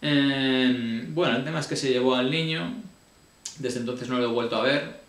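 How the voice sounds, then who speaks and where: A man tells his own story in a colloquial, emotional way, full of restarts, sounding deeply upset. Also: normal speed, fairly bright tone, roomy sound. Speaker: vlogger. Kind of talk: confessional personal account.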